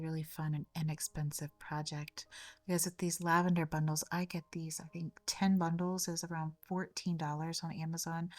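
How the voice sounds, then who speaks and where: A woman hosting a craft tutorial, talking through each step in a chatty way, her voice slightly raspy and hoarse from a cold. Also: low-pitched, darkish tone, no echo. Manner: chatty, step-by-step, frequent small repeats. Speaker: craft channel host. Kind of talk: casual craft tutorial narration.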